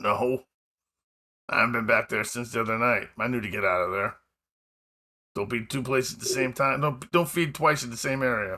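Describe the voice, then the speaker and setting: In a put-on character voice, a raspy man with a medium pitch speaks at a fairly quick pace, broken by long, frequent pauses. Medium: actual play. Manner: blunt, ungrammatical street talk.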